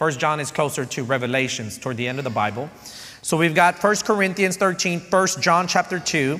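A man with lively intonation, at a fairly quick pace. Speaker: pastor. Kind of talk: sermon. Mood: warm, humorous. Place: church.

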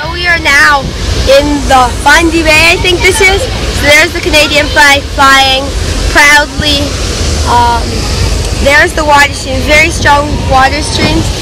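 Long, frequent pauses at a fairly slow pace, a dry sound with no echo, and noticeable background noise. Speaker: travel vlogger. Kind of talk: casual vlog chat. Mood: cheerful, excited. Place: boat. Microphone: phone near.

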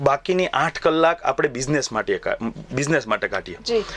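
Bright and sharp in tone, this man's fairly high voice shows vocal fry and very wide pitch swings. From Gujarat, Amreli district village. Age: 30s. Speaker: charitable trust founder. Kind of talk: interview. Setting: studio.

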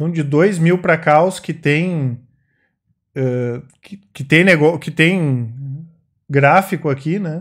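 This man speaks at a very slow pace with a fairly high pitch, ordinary pitch variation and big swings in loudness. The recording is very clean, with a silent background. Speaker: investment channel presenter. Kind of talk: educational video monologue. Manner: stammering.

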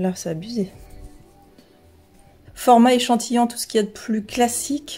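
The speaker uses ordinary pitch variation, with faint music in the background. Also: woman. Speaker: lifestyle vlogger. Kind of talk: casual vlog chat. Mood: playful, mildly disappointed. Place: home room. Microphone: phone near.

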